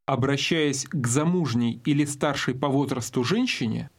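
A man narrating a scripted language course, giving slow, deliberate instructions. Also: medium pitch, slightly rough.

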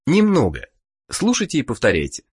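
Lively instructional course narrator. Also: medium pitch, brisk, slightly rough. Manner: calm, instructive prompting.

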